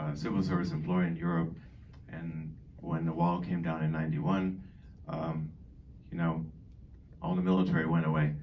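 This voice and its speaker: A man's voice: rumbling low, a little mellow. A middle-aged man, a dining director born in Boston and raised in Germany, talking loosely to residents with many fillers. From born in Boston, grew up in Germany. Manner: rambling and chatty, many fillers. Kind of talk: informal speech to an audience. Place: community hall. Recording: far from the mic, faint background noise.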